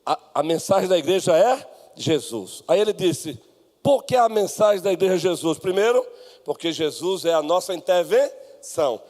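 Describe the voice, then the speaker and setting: A man with a Brazilian Portuguese accent, a pastor preaching an expository sermon, moving from soft asides to shouted exclamations and leading his congregation in reading together. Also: high-pitched, lively intonation, normal speed. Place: church sanctuary. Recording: long reverb of a church hall.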